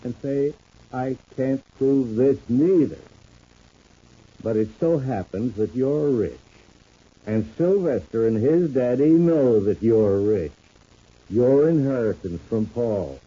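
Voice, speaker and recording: A folksy, plain-spoken country man in a vintage radio serial. The voice is very dark and husky, protective and homespun, on a dull old recording. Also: mid-range voice, lively intonation, takes it slowly. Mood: confiding. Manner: rustic, homespun phrasing. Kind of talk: vintage radio soap opera acting.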